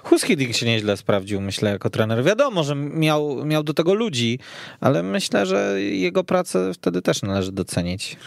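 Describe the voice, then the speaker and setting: A man's voice: a little high, big pitch swings, moderate pace, gravelly, no room sound. A man speaking as a panelist in a casual sports discussion, recorded in a radio studio. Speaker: football podcast panelist.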